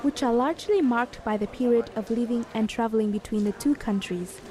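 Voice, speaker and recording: A woman narrating a news feature in a measured, even reading voice. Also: fairly high pitch. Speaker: news reporter. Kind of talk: scripted news voice-over. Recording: voice-over with music bed.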